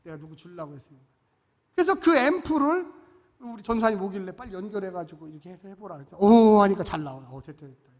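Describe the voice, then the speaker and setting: A male pastor preaching a sermon in a church, telling a story with lively swings between loud outbursts and hushed asides. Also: high-pitched, fast talker, big-room sound. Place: church sanctuary.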